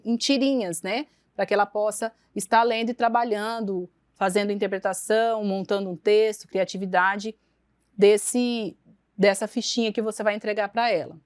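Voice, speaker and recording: A woman's voice: fairly high pitch, no room sound, studio quality. A woman teacher giving a recorded online lecture with a Brazilian Portuguese accent, explaining step by step with frequent tag questions and restarts.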